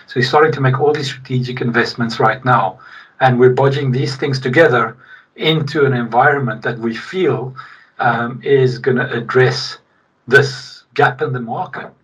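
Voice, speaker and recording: A South African man with a South African accent and a mid-range voice with a breathy edge speaks at normal speed as a podcast guest; he's a logistics technology executive. Conversational in an interview setting, he's emphatic and repeats key points for weight. His mic sounds distant and slightly muffled.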